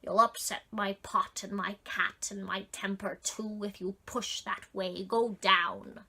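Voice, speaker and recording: A woman's voice: on the high side, expressive, moderate pace, creaky, sharp tone, heavily acted. A woman doing a growling crooked old man. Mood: furious. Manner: growling, quivering with anger.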